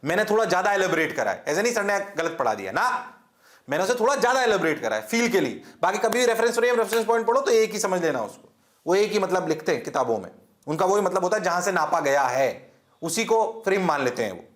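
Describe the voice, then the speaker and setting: Indian guy teaching physics, high voice, quizzes the class and answers himself, echoey classroom. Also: very animated, fast. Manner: quizzing questions and answering them himself, often in a mock student voice; mixes English terms into Hindi speech, repeats checks for understanding.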